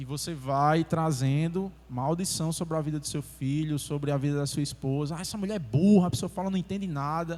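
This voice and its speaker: A man with an ordinary speaking voice, fairly high in pitch, fairly quick and with hardly any pauses, with ordinary pitch variation. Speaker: deacon preaching. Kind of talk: sermon.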